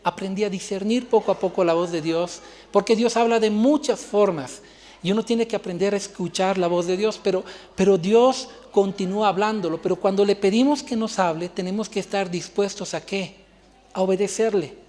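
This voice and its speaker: Man, pastor, sermon, lively storytelling, long reverb in a church hall. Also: high-pitched, normal speed. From Bolivia. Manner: animated storytelling, acting out dialogue.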